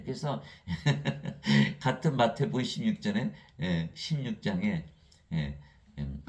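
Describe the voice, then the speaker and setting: A man preaching a sermon, asking and answering his own questions and acting out Bible figures in lively voices. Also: on the low side. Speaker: pastor.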